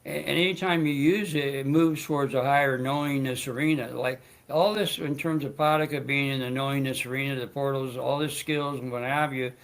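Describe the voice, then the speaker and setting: A man's voice: medium pitch, fairly even intonation, brisk, hardly any pauses. A man hosting his own talk show, speaking in a rambling, stammering way with frequent restarts and joking asides. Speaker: show host.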